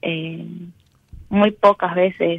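This woman's voice sits at a fairly low pitch. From Santiago del Estero, Argentina. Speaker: caller, university student. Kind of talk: casual phone conversation, seeking advice. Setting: phone call to radio show.

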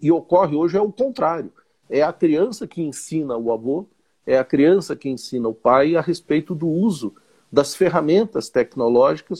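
A man's fairly high voice with lively intonation, in a dry, close sound with no echo. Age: 50s. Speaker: teacher and philosopher. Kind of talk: interview on live broadcast. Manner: talkative.

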